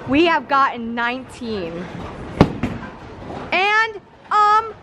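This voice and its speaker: A woman's voice: high voice, big pitch swings, extremely slow. A woman vlogging with a handheld camera, chatting playfully and narrating a bowling game as she plays. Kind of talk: casual vlog commentary. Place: busy bowling alley, indoors. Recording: loud crowded bowling alley noise. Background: loud crowd and alley noise.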